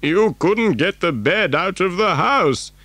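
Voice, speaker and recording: A man voicing a kindly, flustered old grandfather in a storybook, with halting, emphatic speech. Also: high voice, expressive, pushed and bright, no room sound, voice pushed up, heavily acted.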